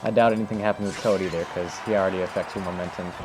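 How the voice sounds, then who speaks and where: A man's voice: deep voice, fairly even intonation, racing. A man giving casual, improvised commentary as he demonstrates techniques in a video game, thinking aloud in an informal way. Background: music.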